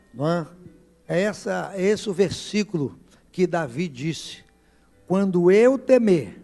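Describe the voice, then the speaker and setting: Pastor preaching, high and lively. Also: male voice. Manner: preaching with dramatic rises and questions to the congregation. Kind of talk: sermon. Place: church service.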